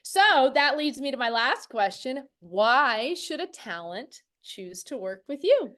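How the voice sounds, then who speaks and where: Woman, high voice, effusive, agreeable, casual interview host. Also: big pitch swings, measured pace, a bit bright.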